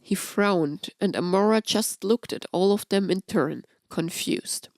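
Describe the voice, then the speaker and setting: A woman narrates fan fiction in the manner of an audiobook, reading from a script. Her voice sits at a middle pitch, and the recording is dry with hardly any room sound. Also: unhurried, dry recording.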